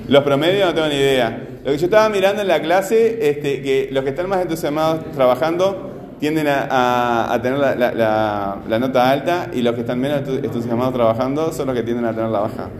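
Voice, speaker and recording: A man's voice: mid-range voice, brisk, echoey room. A man teaching a grammar lesson to a class, patient, repeating himself and using many fillers.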